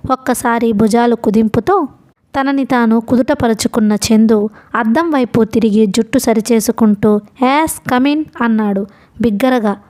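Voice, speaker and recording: A woman narrating a novel for an audiobook in a steady, measured reading. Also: on the high side.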